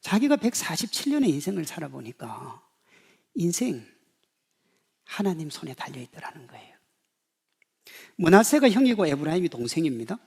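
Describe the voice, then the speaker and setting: A pastor in his fifties preaching a sermon, swinging from loud emphasis to hushed asides and acting out quoted voices. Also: on the high side, very animated, moderate pace, gravelly, pauses often, husky. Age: 50s.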